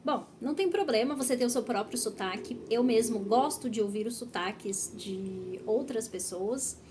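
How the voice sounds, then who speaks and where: A young Brazilian woman teaching Portuguese pronunciation in an online lesson, speaking model phrases slowly and carefully for learners to repeat. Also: on the high side, darkish tone, slight background noise. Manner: slow, over-articulated model phrases for repetition.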